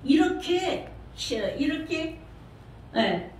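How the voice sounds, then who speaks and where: A woman's voice: very high-pitched, big pitch swings, drawn-out words, a little mellow, slight background noise. A woman pastor giving a sermon in a church, preaching conversationally and putting questions to the congregation. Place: church sanctuary. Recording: very echoey church from far off.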